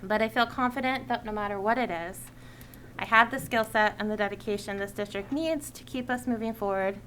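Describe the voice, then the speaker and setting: A woman's voice: mid-range voice, a little fast, a bit bright, slight background noise, low-quality recording. A woman serving as school committee chair, reading a prepared, earnest statement at a public meeting.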